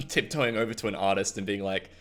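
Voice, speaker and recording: An interview host asking questions in a relaxed, chatty way, full of "like" and light laughs. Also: sits low, normal speed, faint music behind. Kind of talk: casual interview.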